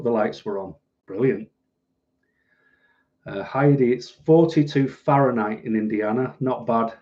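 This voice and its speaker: A man with a softened Manchester accent hosts a casual livestream. His voice is mellow and relaxed, and his delivery is dry, sardonic and rambling. The audio is a little dull and lo-fi. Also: medium pitch. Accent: Mancunian, softened northern English. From northern England, Manchester. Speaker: livestream host. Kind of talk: casual livestream chat, reading out and answering viewers' comments.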